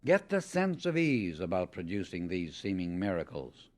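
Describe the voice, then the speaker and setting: A man narrating a scripted spiritual audiobook in a measured, emphatic, instructional manner. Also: sits low, very animated.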